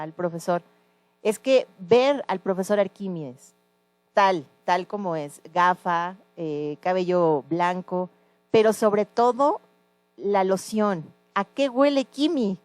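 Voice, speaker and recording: Woman doing the interview, earnest, bit hesitant, normal pitch. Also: darkish tone, no echo.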